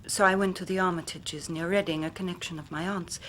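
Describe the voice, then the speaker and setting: An actress playing a young woman who earnestly recounts a tragedy to a detective, often dropping to a hush. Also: lowish voice, fairly even intonation, fast talker, a little hiss or hum, close to an everyday voice. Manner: earnest, dramatic storytelling with hushed passages. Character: young woman recounting her sister's death. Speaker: client telling her story. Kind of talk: radio drama acting.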